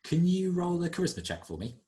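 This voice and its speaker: A man's voice: high-pitched, a little fast, very noisy. A man narrating and running a tabletop role-playing game as game master. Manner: lively, descriptive narration.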